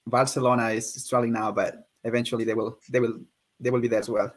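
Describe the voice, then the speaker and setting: A young man who grew up in Peru hosts a casual interview over a video call. His voice sits at a plain middle pitch, and he keeps things friendly and easygoing. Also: flat delivery, quick pace. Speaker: interview host.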